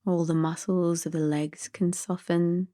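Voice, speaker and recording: Female meditation guide: slightly low, mellow voice, gentle and soothing, soft breathy delivery for sleep. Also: little pitch movement, a little slow, no room sound, clean studio sound.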